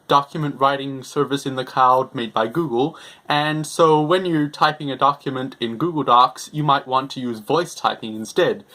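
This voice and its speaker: A young man presents a software tutorial as its host. His voice sits at a middle pitch, and he explains things step by step in simple, repetitive language. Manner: simple, repetitive explaining, refers to himself in third person.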